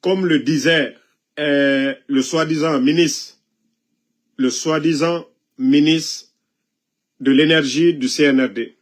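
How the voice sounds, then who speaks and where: A man giving impassioned political commentary, coughing now and then from a cold, scolding and asking pointed rhetorical questions. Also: a little high.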